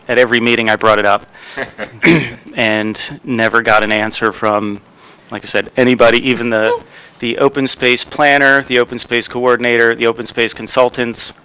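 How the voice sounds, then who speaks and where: A man serving as mayor, giving rambling remarks at a township council meeting with many pauses and fillers. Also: medium pitch, pushed and bright, clear, resonant tone, low-quality recording. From New Jersey. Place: council chamber.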